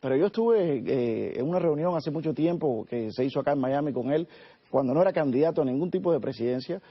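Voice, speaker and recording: Husky middle-aged man. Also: a little high, lively intonation, fast talker, dull audio. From Cuba. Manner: earnest, with frequent "eh" fillers and restarts. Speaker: lawyer, interview guest. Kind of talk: TV studio interview.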